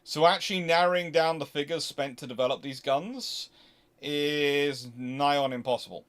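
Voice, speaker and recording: A man hosting an unscripted history question-and-answer stream, talking casually in a halting, digressive way and often correcting himself. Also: fairly high pitch, a bit bright. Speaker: history livestream host.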